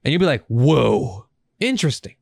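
A man's voice: medium pitch, sing-song, moderate pace, vocal fry, slightly rough, dry recording. Rambling, enthusiastic man chatting, dry sound. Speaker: podcast host. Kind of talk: casual, profane conversation.

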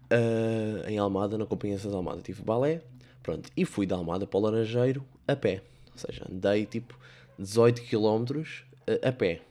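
A young man with a European Portuguese accent rambles through funny stories in a solo podcast. His voice sits on the low side, and his sarcastic asides keep tumbling into one another. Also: warm tone. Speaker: podcast host. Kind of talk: comic storytelling monologue.

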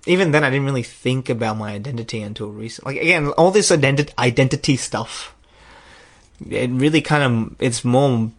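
This is a young adult man, chatting casually as a guest. He rambles and circles back on himself, self-deprecating and quick to laugh at his own words. His pitch sits in an ordinary middle range for a man. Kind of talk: casual personal chat.

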